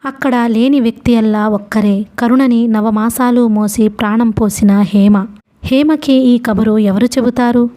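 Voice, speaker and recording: A woman narrating a novel as an audiobook, with steady, emotive storytelling. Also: fairly high pitch, measured pace.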